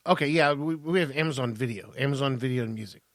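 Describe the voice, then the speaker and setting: A man's voice: medium pitch, quick pace. A man in his fifties with an American accent, bantering casually and crudely as a podcast co-host, with emphatic delivery. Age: 50s.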